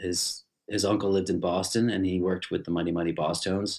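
On a very clean recording with a silent background, a man with an American accent talks at a fairly quick pace in a very deep, low pitch with fairly even intonation. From Western Massachusetts, small town. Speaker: touring punk musician. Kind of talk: casual chat.

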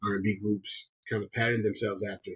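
A man with an American accent talks at a fairly low pitch, somewhat breathy, in a dry, close sound with no echo. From Iowa, Tennessee and Ohio, US. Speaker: singer-songwriter and vocal producer. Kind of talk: casual interview.

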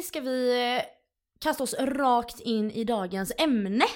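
Her intonation is lively and her pitch high for a woman. This woman talks at a very slow pace. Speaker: podcast host. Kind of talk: casual chat.

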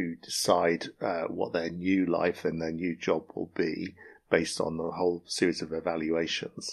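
Over a very clean recording with a silent background, a man with a very deep, low pitch speaks in a monotone, flat intonation at a moderate pace, with hardly any pauses. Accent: British. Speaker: podcast host and format consultant. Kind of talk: casual chat. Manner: humorous, laughs often.

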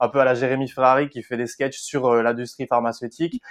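The speech comes at a moderate pace in a monotone, flat intonation, with a dry, close sound and no echo. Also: man. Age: 30s. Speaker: former cocaine addict sharing his story. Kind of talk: testimony. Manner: halting, many fillers.

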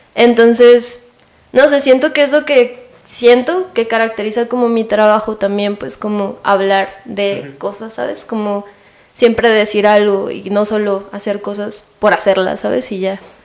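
A woman talks at a fairly slow pace with a fairly high pitch and ordinary pitch variation. Noticeable background noise is present. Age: 20s. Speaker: photographer. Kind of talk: interview.

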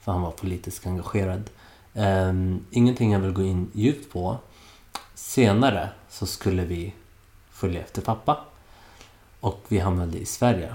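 Somewhat breathy, this voice carries a dark, mellow tone. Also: man. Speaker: podcast host. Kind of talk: personal storytelling monologue. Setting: apartment.

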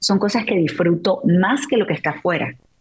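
The voice is a woman's, somewhat breathy. Her pitch sits in the medium range. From Venezuela. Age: 40s. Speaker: journalist and TV news anchor, author. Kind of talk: interview, personal testimony. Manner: fast.

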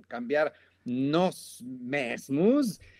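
A man talks at a fairly high pitch with very wide pitch swings. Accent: non-native. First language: not Portuguese (speaking Portuguese). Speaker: Portuguese language learner. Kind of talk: casual conversation practice. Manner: halting.

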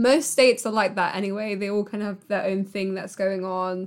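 Heard on a very clean recording with a silent background, a woman uses a normal speaking voice at medium pitch with ordinary pitch variation. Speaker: podcast host. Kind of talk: casual chat.

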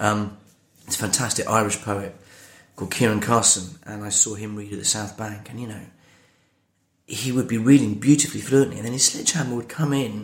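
With a Welsh accent, a somewhat breathy man speaks at a fairly quick pace with long, frequent pauses, ordinary pitch variation and big swings in loudness. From rural Wales. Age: 40s. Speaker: poet and author. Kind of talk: interview conversation.

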